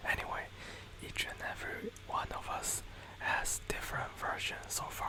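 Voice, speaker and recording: The voice is a whisper. It moves at a fairly slow pace against noticeable background noise. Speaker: ASMR creator reading a book aloud. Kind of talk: ASMR book reading. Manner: whispered.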